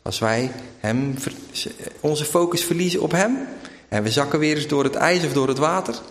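A man's voice: on the high side, animated, moderate pace. A man from Zeeland with a light Zeeuws-Vlaams accent, preaching a sermon and retelling the story emphatically, acting out the quoted lines. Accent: Zeeuws-Vlaams Dutch. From Zeeland, Netherlands. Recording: echoey hall with long reverb.

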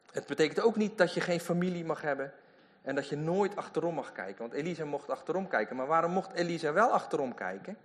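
A man preaching a lively sermon in a church, full of emphatic asides. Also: mid-range voice. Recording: long hall reverb.

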